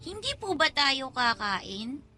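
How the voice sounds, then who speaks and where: Bright, very high-pitched little Filipino schoolgirl. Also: very animated, slow, soft background music, full character voice. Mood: hungry, plaintive. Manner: childlike, polite, questioning. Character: innocent hungry young schoolgirl daughter. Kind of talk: Tagalog radio drama acting.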